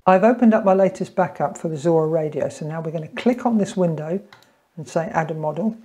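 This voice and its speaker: A man's voice: a little high, a little fast, darkish tone, slightly rough. A man in his fifties giving an informal, plain-spoken step-by-step tutorial in a small room at home. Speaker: tutorial presenter. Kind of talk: informal step-by-step instructional talk.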